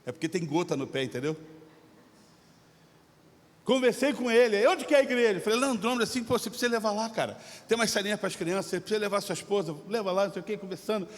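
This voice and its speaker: An impassioned male pastor with a Brazilian Portuguese accent, preaching in a church. His voice sits high for a man, and it carries a long hall reverb. He moves from fervent shouting to easy, conversational anecdotes. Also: animated, fast talker. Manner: impassioned, shifting from shouting to storytelling. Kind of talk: sermon. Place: church sanctuary.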